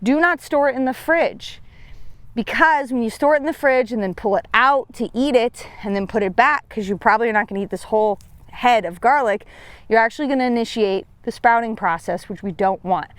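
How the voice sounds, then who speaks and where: A woman's voice: on the high side, brisk, clean tone, no room sound. Upbeat woman giving a gardening tutorial. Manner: chatty, self-deprecating, upbeat. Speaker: seed company gardener. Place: outdoors on a farm.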